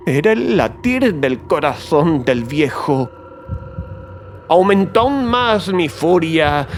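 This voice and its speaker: An actor playing a mad, gloating murderer who confesses in a theatrical horror audiobook, swinging between hushed and agitated delivery. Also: male voice, on the high side, slight background noise. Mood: agitated, insistent. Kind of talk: dramatic horror audiobook narration.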